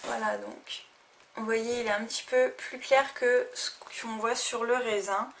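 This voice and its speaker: Speaking a little slowly in a slightly high, steady, creaky voice, a young woman gives a casual review of makeup she purchased as a beauty vlogger. Her delivery is hesitant and full of fillers and restarts, recorded with faint noise and a bit far from the microphone.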